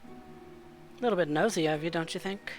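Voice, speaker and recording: A man's voice: a little high, normal speed, faint music behind, lightly acted. A man voicing a nosy, teasing feminine woman who questions people archly in a tabletop game. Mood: teasing, suspicious.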